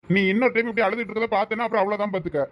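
A man's voice: high voice, fairly even intonation, dry recording, lo-fi sound, lightly acted. A man with a Thoothukudi Tamil accent playing a protective young village man who teases and lectures his family. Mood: scolding. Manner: brisk, teasing, lecturing.

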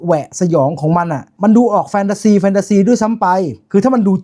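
A man's voice: sits high, expressive, fast talker, dark tone. A man giving a casual spoken film review, chatty and informal, with lots of asides and self-corrections.

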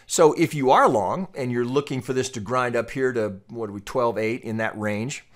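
Man giving halting, explanatory chart commentary. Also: mid-range voice. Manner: explanatory, repeats and restarts phrases often. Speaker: trading analyst and coach. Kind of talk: unscripted chart commentary, technical analysis tutorial.

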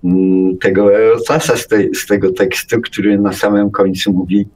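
A man's voice: lowish voice, level tone, moderate pace, a little mellow. A man in a philosophical conversation, speaking earnestly and searching for his words as he goes. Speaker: guest presenting texts.

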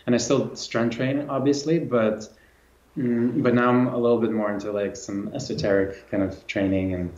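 A man's voice: mid-range voice, fairly even intonation, normal speed, darkish tone. Brief: reflective man, 40s, video call from a roomy home room, sound a bit dull. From Lithuania. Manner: reflective, many restarts and repeats. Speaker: guest, movement and strength coach. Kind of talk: casual interview talk. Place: home room with plants and guitar, indoors. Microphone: video call, camera at a distance.

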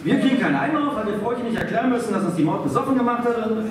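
A man's voice: very high voice, animated, racing. A man playing a cynical, gleefully cruel cat in a live stage radio play, theatrical and exasperated. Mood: gleeful cruelty. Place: theatre stage, recorded from the audience. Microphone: far camera. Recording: very echoey, distant, noisy stage recording.

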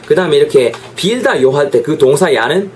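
A man teaching an English lesson with a lively voice, drilling pronunciation through repeated examples. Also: on the high side, a little fast, slight background noise.

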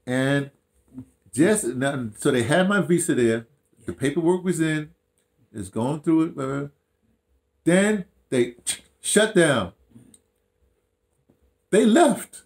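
An older man with an American accent chats casually, telling stories in an animated, rambling way with repeated phrases and slangy asides. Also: mid-range voice. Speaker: interviewee, audio dramatist. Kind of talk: casual chat, storytelling. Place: small room indoors, seated.

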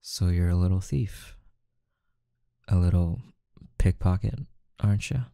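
Low, slow, gravelly mafia boss, acted by a man. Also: no room sound, clean studio sound. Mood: amused, coaxing. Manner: slow, menacing, softly coaxing, with deliberate pauses. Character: intimidating, smooth-talking mafia boss, calm and teasing. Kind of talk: ASMR boyfriend roleplay.

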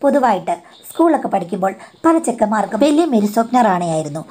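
A woman's voice: mid-range voice, very animated, fast talker, warm tone. A woman in her forties telling a first-person story in a chatty way, acting out the dialogue.

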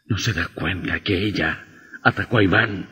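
Stern vampire hunter, husky. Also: male voice, deep voice, normal speed, sharp tone, heavily acted. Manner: stern, persuasive, lecturing. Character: grim, insistent older male vampire hunter. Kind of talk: vintage radio drama acting. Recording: muffled old radio recording with reverb.

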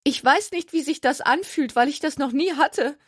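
A woman voicing a whiny, dramatic young woman who complains loudly. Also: normal speed, no room sound, studio quality, close to an everyday voice. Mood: anguished. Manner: complaining, high and loud.

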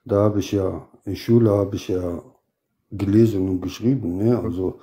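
Dark-voiced man speaking non-native German. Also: sits low, steady tone, moderate pace. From Iraq. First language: Arabic. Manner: broken German, short agreeing interjections. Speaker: live-stream guest. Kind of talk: casual live-stream chat.

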